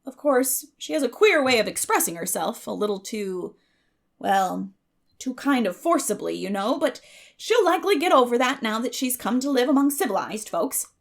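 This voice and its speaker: A woman voicing a blunt, opinionated middle-aged country matron, brisk, emphatic and folksy, in a dramatic audiobook reading. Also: fairly high pitch, very animated, vocal fry, full character voice. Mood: frank, approving.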